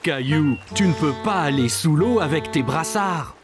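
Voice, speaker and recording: Un homme jouant un papa rassurant de dessin animé. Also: male voice, on the high side, lively intonation, moderate pace, over music, natural voice. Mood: reassuring. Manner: gentle, explaining rules patiently. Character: kind, reassuring father of a small boy.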